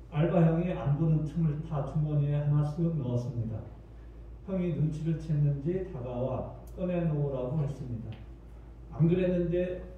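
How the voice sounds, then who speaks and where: A man's voice: on the high side, slight background noise. A man teacher carefully reading a quiz scenario aloud in a training session. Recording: dull echoey room from far off.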